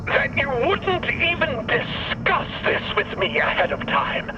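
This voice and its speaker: Haughty, high-pitched, filtered robot. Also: male voice, wildly swooping pitch, slow, highs cut off, background noise, exaggerated voice. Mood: furious, wounded. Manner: pompous, cutting, precisely worded. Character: haughty, indignant male robot, vengeful and wounded. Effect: robotic radio-like voice filter. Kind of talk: audio drama acting.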